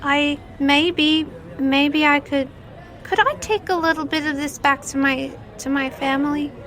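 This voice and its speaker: A woman voicing a small, poor, ragged boy who speaks politely and haltingly in a tabletop game. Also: high voice, a bit bright, pitched above the performer's own voice. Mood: shy, hopeful.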